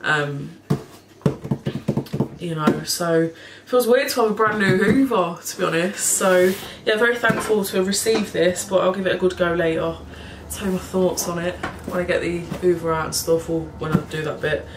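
A woman, a bit hoarse, chatting casually and rambling to camera in her kitchen, swearing and laughing now and then. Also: on the low side, moderate pace. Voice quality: a bit hoarse, froggy throat. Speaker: cleaning vlogger. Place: home kitchen, indoors. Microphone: camera in front of her at table height. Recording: echoey kitchen with background noise.

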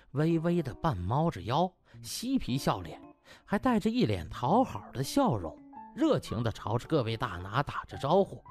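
Very animated male audiobook narrator. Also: a little high. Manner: colloquial, theatrical, mocking. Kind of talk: comic dramatized storytelling.

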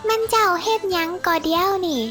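A woman doing a shrill bragging Isan granny. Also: fast, a bit bright, faint music behind. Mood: cheerful. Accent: Northeastern Thai (Isan). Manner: chatty, bragging, sing-song. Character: boastful old village grandmother. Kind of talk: animated cartoon acting.

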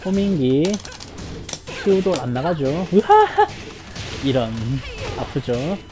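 A woman streaming her own fighting game match, calling the play and breaking into loud cries and laughs. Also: low voice, expressive, slow. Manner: reads viewer chat aloud. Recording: game music playing loudly behind.

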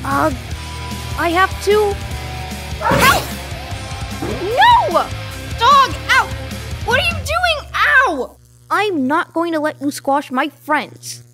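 Very high-pitched earnest cartoon superhero. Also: female voice, wildly swooping pitch, very slow, pauses often, full character voice. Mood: frantic. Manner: emphatic, exclamatory. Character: earnest young animal superheroes, spirited and brave. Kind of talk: animated superhero cartoon acting. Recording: music behind the voice.

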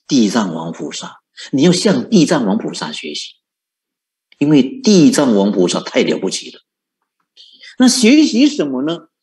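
A man's voice: mid-range voice, darkish tone. A man giving a Buddhist sermon, coaxing his listeners with repeated rhetorical questions and frequent chuckles. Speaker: Buddhist monk teaching.

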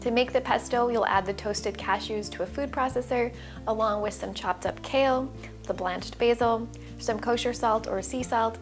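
A woman in her thirties, a cooking channel host, narrating a recipe voice-over with clear step-by-step instructions. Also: on the high side.

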